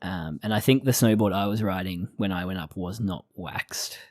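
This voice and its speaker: Woman podcast cohost, super low voice, dry mic, cracks jokes a lot. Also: moderate pace, a little mellow, dry recording. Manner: jokey, punning asides. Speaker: podcast co-host. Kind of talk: casual chat recapping an anime.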